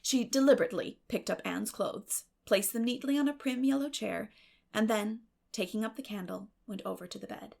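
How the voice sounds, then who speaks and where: Creaky-voiced woman narrating a novel. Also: mid-range voice, normal speed, a little mellow. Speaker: audiobook narrator. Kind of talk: scripted literary narration.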